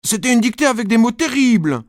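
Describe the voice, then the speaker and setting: A man's voice: very high-pitched, lively intonation, fast, no echo, studio quality, voice pushed up. A man doing a boastful, whiny little schoolboy. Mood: eager. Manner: raised, whiny, indignant child voice.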